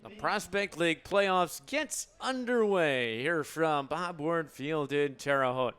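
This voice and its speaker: An American man in his twenties calling live baseball play-by-play for radio in a crisp, descriptive announcer delivery. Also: fairly high pitch, animated, slow, fairly bright tone. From Illinois, United States. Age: 20s.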